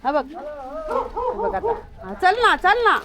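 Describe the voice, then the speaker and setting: High-voiced woman coaxing street animals. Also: sing-song, extremely slow, noisy background. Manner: chatty, coaxing and calling to animals. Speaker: vlogger feeding street animals. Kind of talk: casual outdoor vlog chat.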